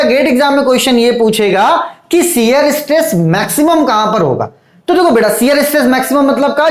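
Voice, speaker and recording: A man teaching an engineering exam-prep lecture, loud and intense, fatherly with his students, and dictating definitions slowly word by word. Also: very high-pitched, reverberant.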